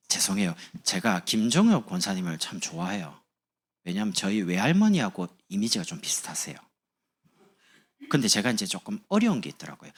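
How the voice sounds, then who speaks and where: In a church sanctuary, a Busan-born South Korean pastor preaches to his congregation in a talkative, funny style. His voice is fairly low and slightly rough.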